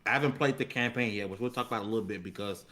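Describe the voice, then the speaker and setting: A man's voice: on the low side, rapid-fire, bright, forceful tone. A man chatting casually as a panelist on a live gaming show. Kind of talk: casual chat.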